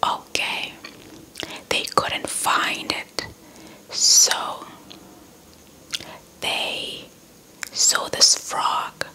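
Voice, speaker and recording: A young South African woman whispers an ASMR folktale into a close handheld mic, breathy, repeating soft words. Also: extremely slow, pauses often. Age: young adult. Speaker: ASMR storyteller. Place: indoors, in front of a dark cloth backdrop. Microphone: small handheld lavalier mic with windscreen, held close.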